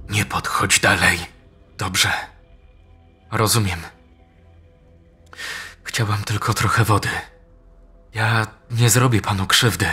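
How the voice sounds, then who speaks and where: Man voicing a scared young woman, pleading, bright tone, faint music behind. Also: lowish voice, steady tone, slow pace, pauses often, husky, pitched above the performer's own voice, full character voice. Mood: frightened. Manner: pleading, shaken. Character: frightened young woman begging for water. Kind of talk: audiobook character voice.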